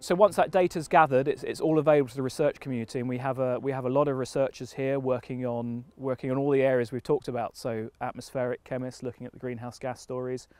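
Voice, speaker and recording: Relaxed man talking outdoors on a farm. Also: mid-range voice, fast talker, hardly any pauses, clear, resonant tone, no echo. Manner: relaxed, conversational, with restarts. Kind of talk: on-camera interview. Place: outdoors leaning on a farm fence. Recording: faint music underneath.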